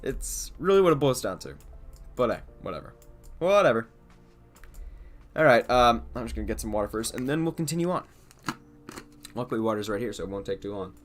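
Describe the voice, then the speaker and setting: A man's voice: on the low side, expressive, brisk, pauses often. A young man casually commenting on a game he is streaming, blunt and jokey, and he reads the game's text aloud in between. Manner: blunt, sweary, joking.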